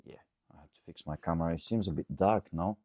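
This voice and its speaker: Talking to camera unscripted, a coach and host from Bulgaria answers audience questions in a Bulgarian accent, rambling a bit and often asking "okay?". His low-pitched voice moves at a quick pace with a warm tone, in studio-quality sound with no room noise.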